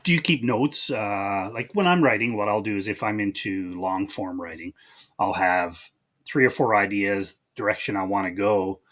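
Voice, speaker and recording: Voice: low-pitched, moderate pace, a bit bright. A podcast host interviewing in a casual, informal way, with frequent short affirmations.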